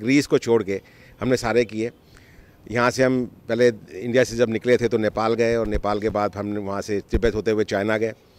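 A man at a moderate pace, monotone and flat, in a dry sound with no echo. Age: 60s. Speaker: travel adventurer. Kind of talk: interview. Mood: calm, positive. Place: street. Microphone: handheld.

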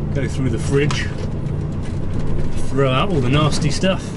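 Loud background noise sits behind a man speaking at a fairly slow pace. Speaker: truck driver vlogger. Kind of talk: casual vlog chat. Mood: relaxed. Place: car. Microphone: camera far.

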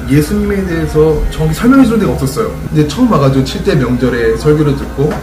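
A man speaks very fast over noticeable background noise. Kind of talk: interview answer. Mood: earnest, friendly. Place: cafe.

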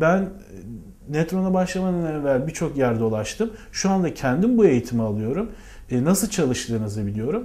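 A man with a fairly high pitch speaks at a moderate pace, his pitch swinging very widely. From Istanbul, Turkey. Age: 30s. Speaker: hospital network administrator. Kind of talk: customer testimonial. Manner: many filler hesitations.

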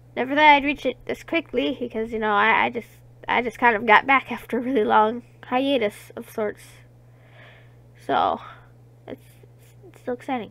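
A woman talks at a moderate pace with vocal fry and long, frequent pauses. Her loudness swings widely. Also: ordinary pitch variation. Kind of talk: casual talk to camera. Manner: low-energy, unenthusiastic.

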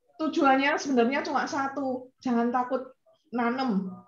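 A somewhat breathy voice comes through with audible room echo. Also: woman. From Indonesia. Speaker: urban gardener; guest. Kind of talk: presentation on gardening. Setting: video call. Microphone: video call.

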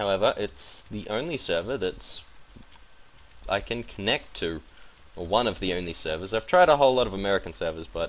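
Male speaker with an Australian accent at a moderate pace. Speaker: gaming YouTuber. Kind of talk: casual gameplay commentary. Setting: home computer recording.

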